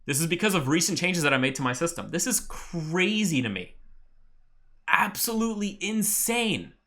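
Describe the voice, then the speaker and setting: A trading mentor teaching a live webinar, excitable and profane, often bursting into loud exclamations. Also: mid-range voice, normal speed.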